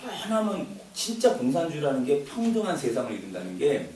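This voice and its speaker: Lively man lecturing in an echoey hall. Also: on the high side, fairly quick. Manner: conversational, repeats words, frequent fillers. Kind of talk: casual lecture to an audience. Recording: very echoey room, distant mic, faint noise.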